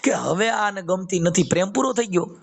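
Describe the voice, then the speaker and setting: A man's high, husky voice, creaky and fairly bright, carries an informal spiritual discourse at normal speed over the phone. He speaks with a Kathiyawadi Gujarati accent, quotes verses, repeats phrases, and runs a devotional YouTube channel.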